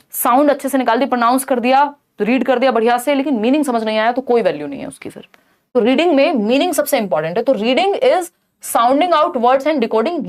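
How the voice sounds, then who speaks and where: A woman teaching an online exam-prep lesson, explaining in Hindi and reading English questions out slowly. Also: fairly high pitch, darkish tone.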